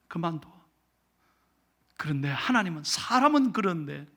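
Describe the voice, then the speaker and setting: A man preaching a sermon as pastor from a church pulpit, animated and acting out scripture dialogue. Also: sits high, gravelly.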